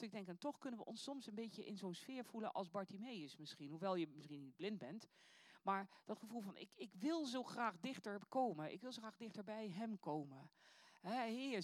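A woman preaching in an earnest, musing way, asking searching questions as she talks. Her pitch sits in a middle range, and the recording is dry and close. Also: no echo. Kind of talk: sermon with scripture reading.

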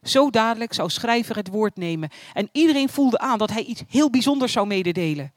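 A narrator reads a religious story in a calm, measured way. The recording is dry and close, with no room sound. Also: mid-range voice, no echo.

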